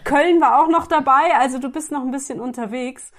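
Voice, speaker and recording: A woman's voice: high voice, fairly quick. A woman hosting a podcast, interviewing in a casual, chatty and informal way. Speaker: podcast host.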